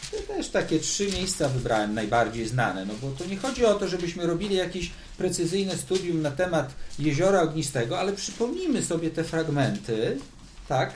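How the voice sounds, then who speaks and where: Animated man teaching scripture. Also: fairly high pitch, normal speed, a little hiss or hum. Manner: questioning, conversational, repeats words while thinking. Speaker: Bible study leader. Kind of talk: lively Bible teaching to a group.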